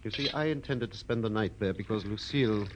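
A man's voice: fairly low pitch, a little fast, close to an everyday voice. Actor as wheezy, nervous businessman. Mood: anxious, explaining. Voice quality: wheezy, coughing smoker's voice. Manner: nervous, urgent, fussily polite. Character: anxious, fussy, wheezing male cosmetics businessman. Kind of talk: 1940s radio drama acting. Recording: noisy vintage 1940s radio broadcast.

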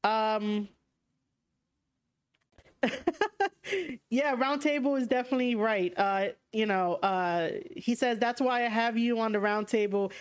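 A woman's voice: a little high, takes it slowly, pauses often, clean tone. A young woman with a New York accent, hosting a casual livestream podcast, speaking frankly and rambling with lots of fillers and restarts. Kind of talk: casual livestream chat reading viewer comments.

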